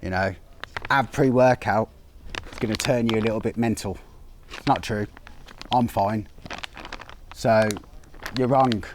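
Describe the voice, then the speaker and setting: A man with a strong British accent, fairly even intonation, a fairly slow pace and long, frequent pauses against noticeable background noise. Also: medium pitch for a man. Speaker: product reviewer and actor. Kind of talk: casual product review. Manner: deliberately slow.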